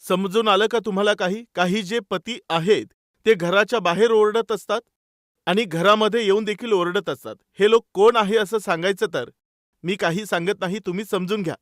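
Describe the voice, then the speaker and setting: A man's voice: high-pitched, moderate pace, fairly bright tone, dry recording, clean studio sound. A man preaching a sermon, reading scripture and telling stories to his dear brothers and sisters. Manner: tells stories and reads scripture aloud.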